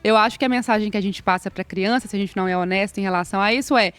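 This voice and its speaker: Fast-talking woman host. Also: mid-range voice, fairly bright tone, clear, resonant tone, no room sound, soft background music. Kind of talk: interview host.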